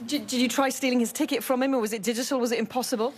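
A woman's voice: a little high, fairly even intonation, very fast, slight background noise. A woman radio sports presenter doing a live on-location interview in a busy sports bar, upbeat and chatty, laughing often.

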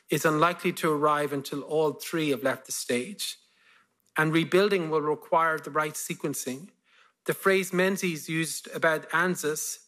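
A man around fifty with an Irish accent, giving a measured policy lecture and then answering questions. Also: a little high, bright, forceful tone. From Ireland. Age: about 50. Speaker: guest speaker, foreign policy expert.

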